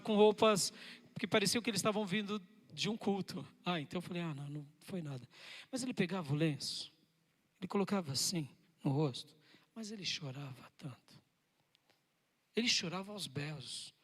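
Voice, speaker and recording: A male pastor delivers a sermon in a high, bright voice. He swings between emphatic loud bursts and soft, intimate lines. The church hall gives his voice a long reverb. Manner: emphatic preaching with sudden loud and soft turns.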